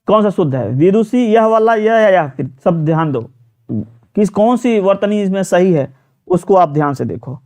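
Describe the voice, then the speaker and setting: A Hindi teacher runs a live online exam-prep class, walking students through each question, repeating words, constantly asking them for answers, and using lots of fillers. His voice sits high and is expressive and slightly mellow, at a normal speed.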